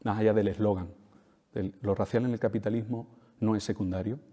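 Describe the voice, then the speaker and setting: A man's voice: fairly low pitch, steady tone, fairly quick, mellow. Emphatic man lecturing in a reverberant hall. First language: Spanish. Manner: emphatic, repeats key phrases, tag questions. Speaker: speaker at a talk. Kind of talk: lecture to an audience.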